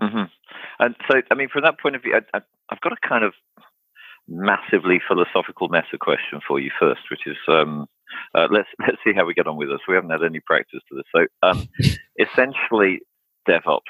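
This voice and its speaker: A man with a British accent at a fairly quick pace, broken by long, frequent pauses. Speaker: podcast host. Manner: conversational, thinks aloud.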